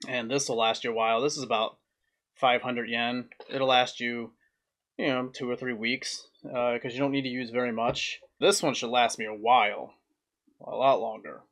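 A young man with a mid-pitched voice talks casually to camera as a food review vlogger. His delivery is plain-spoken and comes in short, halting phrases. He is recorded indoors in a small room, a little way from the camera. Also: steady tone, fairly bright tone. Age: young adult.

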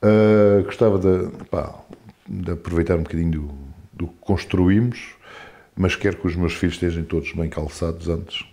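A man in his forties, a guest in a casual interview, talking in a rambling, animated way with many restarts. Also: deep voice, moderate pace, vocal fry. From France. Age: 40s.

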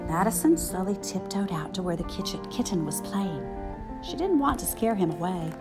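A woman's voice: medium pitch, sing-song, moderate pace, over loud music. An older woman narrating a children's picture book as a story time reader.

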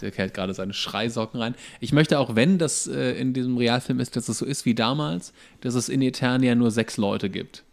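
A man co-hosting a podcast, making dry, deadpan quips in casual chat. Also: medium pitch, moderate pace, gravelly, hardly any pauses. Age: 40s. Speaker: podcast co-host.

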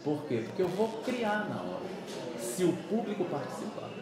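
A man in his fifties from Pernambuco, Brazil, telling stories in a chatty, animated way during an interview, often checking that his listener follows along. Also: high voice, moderate pace, very echoey, a loud crowd, low-quality recording. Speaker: musician guest. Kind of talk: casual interview. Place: small office meeting room. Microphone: camera across the table.

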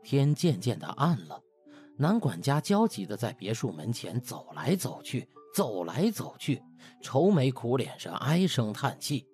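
A man narrating a comic novel in an expressive, colloquial storytelling style. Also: medium pitch, unhurried, soft background music. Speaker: audiobook narrator.

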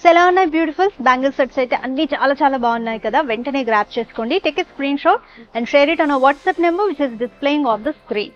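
Selling jewellery in a showroom, a woman with a high voice delivers a cheerful product presentation for the store, mixing Telugu and English. The recording is a dull, lo-fi voice track with faint music.

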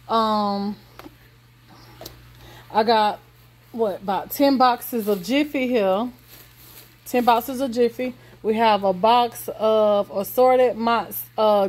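A woman vlogger, walking through her groceries in a home kitchen and listing items slowly, with many ums and pauses. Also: a little high, darkish tone. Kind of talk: casual grocery haul walkthrough.

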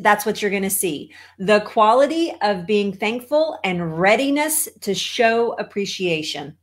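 A middle-aged American woman from Texas gives a motivational talk at her desk. Her voice sits at a medium pitch, and she speaks in an emphatic way, repeating phrases for weight, like a coach addressing followers online. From Texas, United States. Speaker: holistic cancer coach, show host. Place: small home office, indoors.

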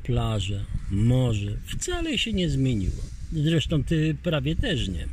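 A man's voice: mid-range voice, huge pitch swings, slow pace. An older man acting a husband in a home radio play, genial and joking, in a noisy home recording. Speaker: husband on holiday.

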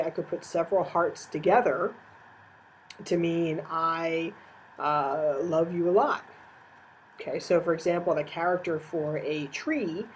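A woman with a fairly low voice, lecturing her class. She explains things step by step, filling her pauses with small hesitations. A faint hiss sits under the recording. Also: darkish tone, low-quality recording. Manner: explanatory, with frequent fillers. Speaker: teacher.

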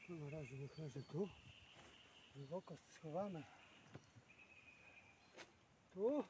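Out on open water in a boat, this fishing vlogger from Poland, a man in his sixties, talks to camera in an unhurried, fairly high voice. He rambles and mutters to himself in a self-deprecating way, picked up by a far-off outdoor mic with plenty of clear background noise.

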